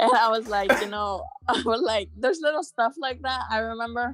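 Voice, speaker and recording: A woman with a Mexican accent and a fairly high pitch. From Mexico, raised in US from childhood. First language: Spanish. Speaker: interviewee, DACA recipient. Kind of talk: interview. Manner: halting.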